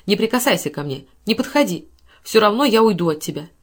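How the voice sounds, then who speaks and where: A woman's voice: a little high, animated, fast, pitched above the performer's own voice. A woman voicing Ellen, a furious wounded wife.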